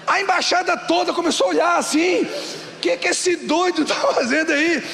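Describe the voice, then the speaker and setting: A man with a Brazilian Portuguese accent, a pastor preaching a sermon in a church hall and acting out excited voices as he tells stories. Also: very high voice, moderate pace, gravelly, a little hiss or hum. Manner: lively storytelling, acts out excited voices.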